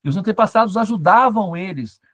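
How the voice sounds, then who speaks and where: Lively man telling stories. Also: high-pitched, brisk. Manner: animated, humorous, asks himself questions. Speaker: spiritual teacher. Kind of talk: satsang talk with storytelling.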